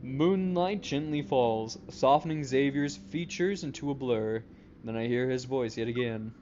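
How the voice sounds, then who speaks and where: A man's voice: mid-range voice, a little hiss or hum. Jokey man streaming a game. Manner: jokey, excitable, quick asides. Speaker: gaming streamer. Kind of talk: game playthrough commentary, reading text aloud. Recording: muffled, game music behind.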